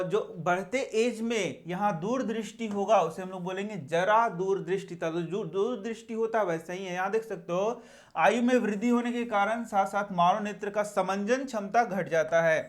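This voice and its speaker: A man's voice: sits high, moderate pace. A man teaching a science lesson, asking questions and answering them himself. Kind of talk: Hindi classroom lesson.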